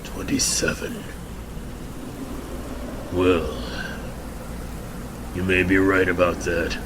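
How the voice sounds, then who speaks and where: A man's voice: low voice, flat delivery, noisy background. A man playing a suspicious, desperate backwoods drifter with a folksy, accusing manner in an amateur radio drama. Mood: doubtful. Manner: folksy, accusing, drawn-out taunting.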